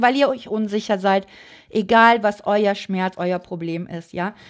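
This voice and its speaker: Against a quiet background, a woman speaks at a fairly slow pace. Her tone is animated, with ordinary pitch variation. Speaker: tarot reader. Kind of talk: tarot reading monologue. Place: home room. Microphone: phone near.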